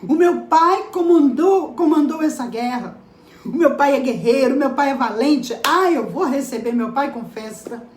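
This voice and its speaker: A woman preacher voicing a joyful young daughter who talks in excited, pleading bursts. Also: normal speed, roomy sound, lightly acted. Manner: excited and pleading, high rising questions.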